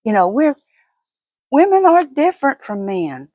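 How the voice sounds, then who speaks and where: A woman's voice: sits high, sing-song, unhurried, dry recording, highs cut off. An older woman vlogger talking casually and giving opinions in an emphatic, folksy, fussing manner.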